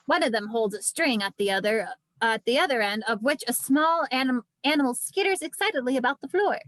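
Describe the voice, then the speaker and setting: A woman's voice: fairly high pitch, lively intonation, a little fast, a bit bright, dry recording. A woman narrating scripted stage directions at an amateur table read.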